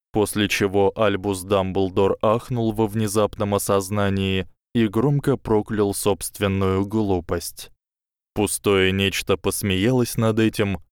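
A man narrating a fantasy novel as an audiobook in slow, measured storytelling. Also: on the low side, clear, resonant tone, dry recording, clean studio sound. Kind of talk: scripted narration.

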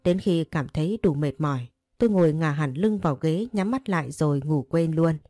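A woman reading a first-person story aloud in a calm, measured way, with faint music behind. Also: low voice, no room sound. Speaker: narrator.

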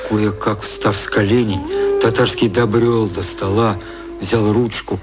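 A man narrating a satirical literary radio play in a measured, composed way. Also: lowish voice, level tone, natural voice. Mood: composed, ironic. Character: composed male storyteller of a satirical novel. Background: loud music.

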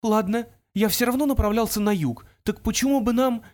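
A man playing a sharp clever youth. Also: high voice, brisk, pitched above the performer's own voice, natural voice. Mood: firm. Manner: crisp, clipped. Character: clever young male heir, cool and sharp. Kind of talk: audiobook character voice.

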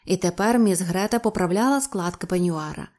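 A woman narrating an audiobook with an even, expressive reading. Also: fairly low pitch, a little fast. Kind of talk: storybook narration.

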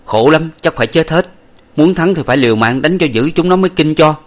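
A man's voice: fairly high pitch, lively intonation, a little fast, pitched above the performer's own voice, natural voice. A man voicing a bold young hero who barks orders in battle. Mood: grim. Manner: shouting orders, forceful. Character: bold young male hero, commanding swordsman.

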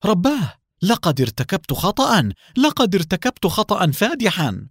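A man's voice: mid-range voice, sing-song, fairly quick, darkish tone, dry recording, clean studio sound. A man voicing a young woman, a proud sound expert on a team, in a storybook reading. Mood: panicked.

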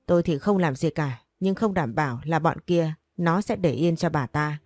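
A woman's voice: deep voice, normal speed, darkish tone, dry recording, studio quality, faint music behind. A woman voicing a menacing middle-aged male gang boss in a storybook, speaking coldly and threateningly. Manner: cold, threatening.

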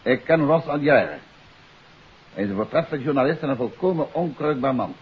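An actor playing a shrewd, authoritative detective in a 1950s radio drama, speaking in a probing, deliberate way. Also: male voice, mid-range voice, animated, breathy edge. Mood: stern, pressing. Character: shrewd, authoritative male amateur detective confronting a suspect. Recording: muffled 1950s radio recording with hiss.

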